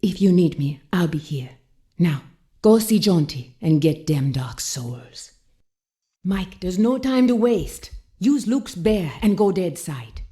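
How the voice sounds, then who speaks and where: A low, sultry voodoo priestess. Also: female voice, lively intonation, takes it slowly, dark tone. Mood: firm, soothing. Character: commanding, seductive voodoo priestess, mysterious mentor. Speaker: video game voice actor. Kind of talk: dramatic game cutscene acting.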